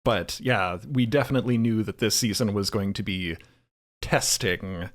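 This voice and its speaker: A podcast creator in casual discussion, speaking in a measured, deliberate way with pauses between phrases. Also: deep voice. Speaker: podcast creator, roundtable guest.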